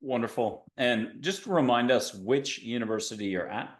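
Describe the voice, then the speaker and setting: A male host of an interview show, introducing a guest and asking questions on a video call in a chatty, upbeat way, with quick asides. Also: medium pitch. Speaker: podcast host. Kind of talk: casual interview hosting.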